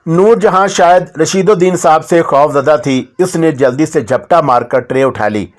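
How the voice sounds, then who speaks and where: A man narrating a first-person novel in a measured storytelling voice. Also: on the high side.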